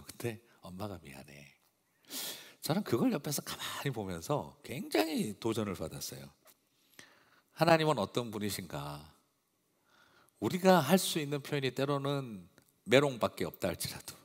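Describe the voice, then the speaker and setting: A male pastor preaching a sermon in a church, emphatic and expressive, swinging between loud and hushed. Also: lowish voice. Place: church sanctuary. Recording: long reverb of a large hall.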